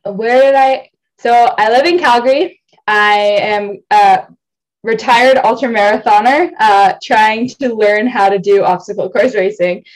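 A woman's voice: fairly high pitch, measured pace, poor audio. A young woman from Ontario, an athlete guest in a casual interview on a video call, chatty and self-deprecating, laughing often and rambling. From Ontario, Canada.

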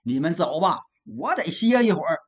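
A woman's voice: lowish voice, big pitch swings, moderate pace, husky, voice pushed down. A woman doing a panting, grumbling old overseer. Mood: weary. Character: old male overseer, tired and resentful.

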